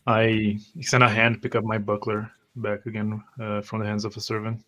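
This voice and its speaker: A man's voice: on the low side, completely flat delivery, moderate pace, pushed and bright. A man taking part in a tabletop roleplaying game, speaking and acting for his character.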